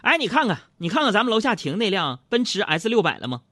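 A nagging wife with a raised, squeaky pitch, her replies flat and matter-of-fact, as a man puts her on. She needles her husband with pointed lines. The sound is close and dry. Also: quick pace, no room sound, exaggerated voice. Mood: needling.

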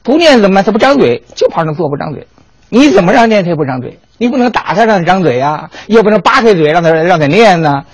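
An older man tells history as a lively story, posing rhetorical questions and swinging his pitch widely as he speaks. His voice has a slight huskiness. The sound is dry and close, with little room echo. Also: quick pace, slightly rough. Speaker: history lecturer. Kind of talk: storytelling lecture.

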